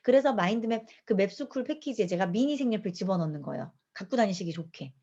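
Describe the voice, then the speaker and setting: A woman's voice: mid-range voice, fast, slight background noise. A woman teaching mind mapping in an online lecture, asking her audience questions as she goes. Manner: lively, asks the audience questions. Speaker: mind map instructor. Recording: dull lo-fi online class audio.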